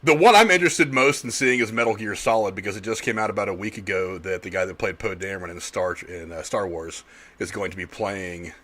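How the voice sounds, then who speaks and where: A man's voice: lowish voice, a little fast, a bit bright. A man hosting and moderating a casual group discussion. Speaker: podcast host.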